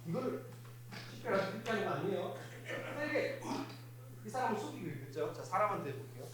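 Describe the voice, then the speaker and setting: A man's voice: high-pitched, very animated, fast talker, very noisy. Man teaching first aid in an echoey hall. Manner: instructive, repetitive, talks to a live group. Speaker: fire safety instructor. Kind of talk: hands-on first aid demonstration. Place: hall of a place of worship.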